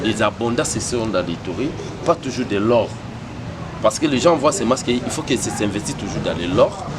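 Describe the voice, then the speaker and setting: A young man from the Congo speaks in a low voice as a guest in an interview, pausing often and restarting his sentences. He is recorded outdoors in town, with heavy traffic noise all around him. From Democratic Republic of the Congo. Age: young adult. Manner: hesitant, many fillers and restarts. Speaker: pageant organizer, guest.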